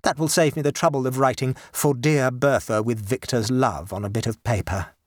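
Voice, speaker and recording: A man's voice: mid-range voice, fairly even intonation, moderate pace, no room sound, clean studio sound, lightly acted. A man voicing a sulky, spoiled little rich boy who speaks with scorn, in a storybook reading.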